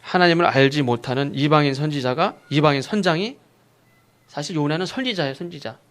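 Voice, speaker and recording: A male pastor preaching a sermon, asking rhetorical questions and acting out sharp rebukes. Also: on the high side, fairly quick. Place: church sanctuary.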